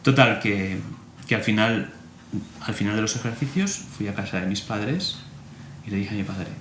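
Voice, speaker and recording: A man, a priest, telling a personal story in an animated way and acting out remembered conversations. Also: lowish voice, normal speed. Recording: roomy echo, faint room hum.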